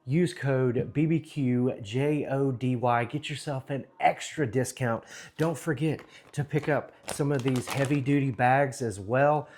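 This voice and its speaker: A middle-aged American man hosting a how-to cooking vlog with jolly, folksy, emphatic grill-dad hype and a salesman's pitch. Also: a little slow, a little mellow, roomy sound. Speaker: barbecue cooking vlogger and host.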